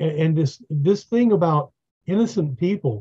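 The man's tone is dark and mellow, somewhat breathy, with fairly high pitch. His intonation is lively. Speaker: guest. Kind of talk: casual chat. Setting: video call.

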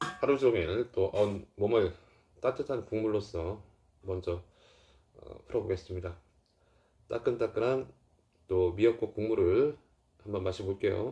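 Fairly low, somewhat breathy man's voice with a dark, mellow tone, very slow pace and long, frequent pauses, on a very clean recording with a silent background. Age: 50s. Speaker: office worker. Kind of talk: casual talk to camera, mukbang.

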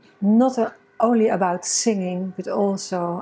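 Against clear background music, a woman speaks at a very slow pace. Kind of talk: interview answer. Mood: warm, enthusiastic. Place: bar.

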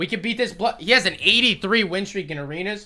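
Loud and animated, a man speaks at a moderate pace in a high pitch, his tone bright and sharp with ordinary pitch variation. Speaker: gaming YouTuber. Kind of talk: gameplay commentary. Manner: animated, loud. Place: home room. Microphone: headset.

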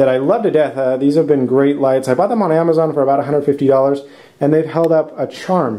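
Speaking at a fairly quick pace, a man has a dark, mellow tone and ordinary pitch variation. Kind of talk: casual tour narration. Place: office. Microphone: phone near.

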